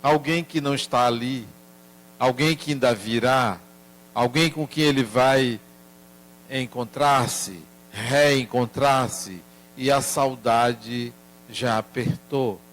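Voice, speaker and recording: An older man giving a spiritist lecture, telling a family story in a gentle, measured way. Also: medium pitch.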